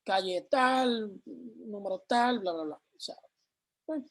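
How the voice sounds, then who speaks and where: Slow-paced and high-voiced with some vocal fry, this man explains code on screen during a live programming class. He proceeds step by step and responds to his own questions along the way.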